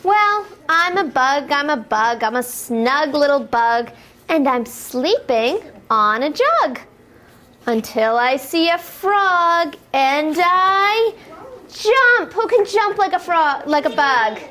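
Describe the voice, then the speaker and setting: A woman with a high-pitched voice reads picture books aloud to young children at a slow pace. She's animated and encouraging, asking the kids questions and playfully exclaiming the action words.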